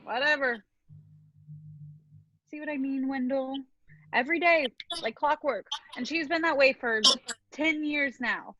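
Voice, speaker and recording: An exasperated comedy-sketch mom, acted by a woman, with a high voice. She is blunt, weary and dismissive, recorded dry and slightly lo-fi. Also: a little slow, pauses often, sharp tone, dry recording. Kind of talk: sketch comedy staged reading. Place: remote virtual reading.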